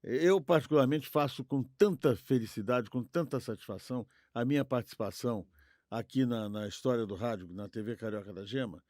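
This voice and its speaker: An older man with a Brazilian Portuguese accent chatting casually as a podcast co-host, halting and repeating words, often seeking agreement. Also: mid-range voice, a little mellow, dry recording, clean studio sound. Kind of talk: casual chat.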